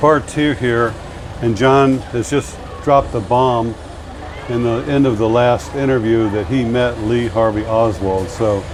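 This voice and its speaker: The speech comes at a fairly slow pace with fairly even intonation, and there is noticeable background noise. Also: man, medium pitch for a man. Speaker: interviewer. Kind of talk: interview questions.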